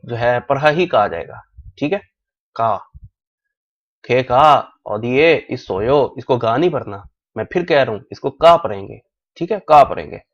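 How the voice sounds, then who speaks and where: A man teaching a language class, slowly repeating drill phrases again and again as in a recorded lecture, with Urdu as his first language. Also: mid-range voice, lively intonation. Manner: slow, repeats drill phrases many times. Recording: dull lo-fi recording.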